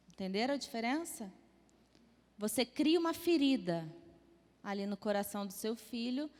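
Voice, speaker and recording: A woman teaching a church class on temperaments, lively and acting out little dialogues as examples. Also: on the high side. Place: church hall. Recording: long hall reverb.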